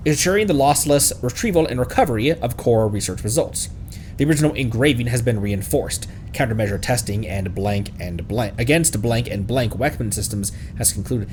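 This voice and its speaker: A man streaming a video game, giving commentary and reading in-game text aloud, sometimes halting and repeating words as he goes. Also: medium pitch, a little hiss or hum. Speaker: streamer, host of a gaming livestream. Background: game music.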